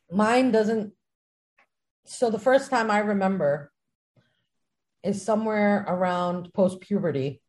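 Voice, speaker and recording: A woman's voice: sits low, darkish tone. A woman co-hosting a casual podcast chat, telling a personal story in a candid, reflective way. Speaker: podcast co-host.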